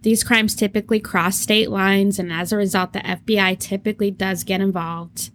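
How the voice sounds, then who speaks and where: A woman's voice: mid-range voice, steady tone, moderate pace, fairly bright tone, slight background noise. A woman co-hosting a casual podcast, telling stories, laughing often and acting out what people said. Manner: storytelling, laughing often, acts out quotes. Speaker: podcast co-host.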